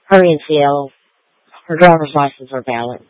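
A woman's voice: low-pitched, moderate pace, no room sound. A woman working as a police radio dispatcher, reading out records and bulletins in a procedural way over the radio. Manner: procedural, spells out with phonetic words and digits. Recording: muffled lo-fi police radio transmission.

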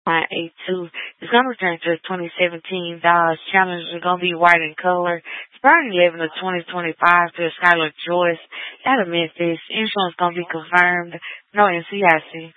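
A woman's voice: on the low side, level tone, a little fast, dry recording. A woman working as a police dispatcher, speaking tersely and procedurally over a two-way radio. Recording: thin narrowband police radio transmission.

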